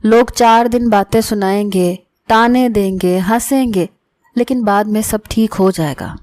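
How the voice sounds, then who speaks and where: A woman's voice: mid-range voice, darkish tone, no room sound, studio quality, close to an everyday voice. A woman reading the lines of a worried young man, a younger brother, in a storybook narration. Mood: calm.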